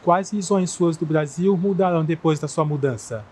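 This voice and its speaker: Low-voiced woman asking questions. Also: normal speed, a little mellow, slight background noise. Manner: short, plain questions. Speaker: interviewer. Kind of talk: reading interview questions.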